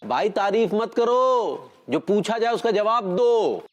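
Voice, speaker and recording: An actor playing a pompous, impatient small-time trader. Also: male voice, high-pitched, lively intonation, slow, lo-fi sound, a little hiss or hum.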